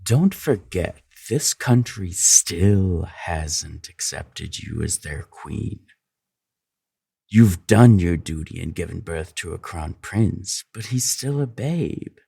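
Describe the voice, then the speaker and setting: A man playing a scheming, manipulative royal advisor in a fantasy audio drama, with a sly, flattering, insinuating drawn-out delivery. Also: low voice, creaky, slightly rough, no room sound, clean studio sound, heavily acted.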